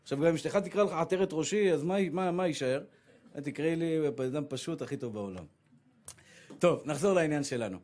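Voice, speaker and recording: A man giving a humorous sermon as a rabbi, telling lively stories and acting out the voices of the people in them. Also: fairly high pitch. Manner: animated storytelling, acts out voices of women and his wife.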